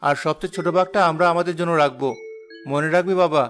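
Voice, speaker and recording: Brief: a man as a humble pious father, earnest, quick, raised pitch. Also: steady tone, soft background music, lightly acted. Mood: gentle. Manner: earnest, gently preaching. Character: poor, devout village father, humble and calm.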